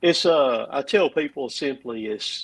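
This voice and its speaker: The man's voice sits at a fairly high pitch, recorded with a dry, close sound and no echo. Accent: Southern US. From US South. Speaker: YouTuber and equipment salesman. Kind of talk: casual chat. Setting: live stream call.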